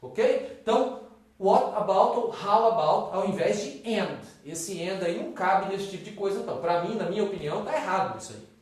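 A Brazilian man teaching English in a video lesson, lively and opinionated, slowing down to model phrases. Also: high-pitched, distant mic. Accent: Brazilian Portuguese. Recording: echoey room, off-mic.

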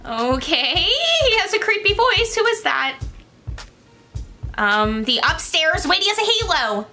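A woman giving casual reaction commentary on a show as she watches, gushing and excitable, full of gasps and exclamations. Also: high-pitched. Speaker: reaction video creator.

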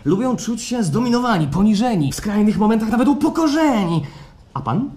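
An actor playing a coaxing, insinuating psychologist in a radio play performed live, swinging from soft to excited. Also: male voice, high-pitched, fairly quick. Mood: excited, theatrical. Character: smooth, probing male psychologist, theatrical and coaxing. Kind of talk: radio play acting before a live audience. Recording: live stage recording with background noise.

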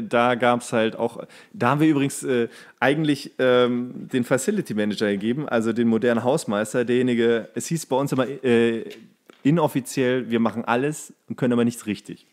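Man, mid-pitched voice, podcast co-host, casual chat, rambling, colloquial.

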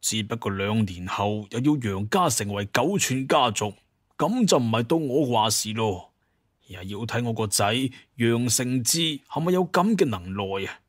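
A man's voice: mid-range voice, expressive, moderate pace, no room sound, studio quality, natural voice. An actor playing an older clan patriarch in an audio drama, humble and formally deferential, a proud father. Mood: respectful. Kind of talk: Cantonese audio drama dialogue.

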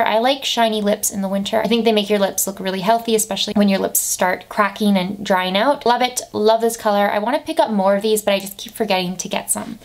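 Young woman, mid-twenties, chatty beauty vlogger, casual and upbeat, camera at desk distance. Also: mid-range voice. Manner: chatty, upbeat, lots of "like" fillers. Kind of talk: casual monthly favourites chat. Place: bedroom with desk and lamp, indoors.

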